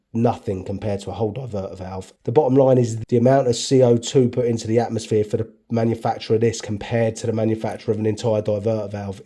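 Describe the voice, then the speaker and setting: A man's voice: on the low side, warm tone. A middle-aged heating engineer with a cold, talking through his work in a blunt, ranty, casually sweary way, filmed on his phone in a house loft. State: has a cold. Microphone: phone camera.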